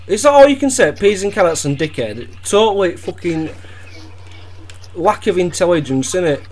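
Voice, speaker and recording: A man's voice: high voice, normal speed. A young man from Wales trolling an opponent over game voice chat in a mock-innocent, sarcastic way. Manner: teasing, deadpan, mock-innocent. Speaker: gaming video creator trolling an opponent.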